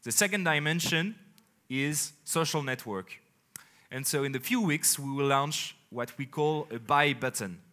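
A man in his thirties with a French accent, giving an energetic conference keynote on a large indoor stage, speaking in phrases with emphatic pauses. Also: medium pitch. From France. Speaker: company executive presenting on stage.

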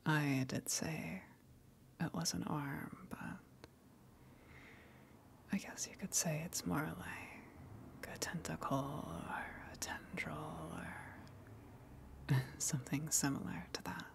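A woman playing a gentle, lonely sea monster in an ASMR roleplay, coaxing softly in a breathy, soothing whisper. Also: low-pitched, steady tone, exaggerated voice. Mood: tender, reassuring. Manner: slow, soothing, coaxing, long pauses.

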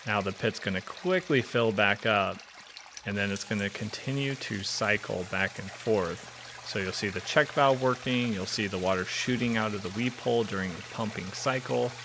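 A man's voice: lowish voice, moderate pace, background noise. A man in his thirties giving a methodical, step-by-step home repair lesson in a basement. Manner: clear, methodical, practical explaining. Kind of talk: step-by-step how-to explanation. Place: basement with concrete walls.

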